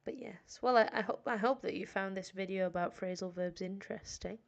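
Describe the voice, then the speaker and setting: Tired nasal northern english woman, bit of vocal fry, hoarse, rambling on a live stream with lots of ums. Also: mid-range voice, fairly quick, lo-fi sound. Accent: northern English, Sheffield. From northern England. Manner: rambling, self-deprecating, frequent fillers. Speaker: English teacher. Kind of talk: casual live-stream chat.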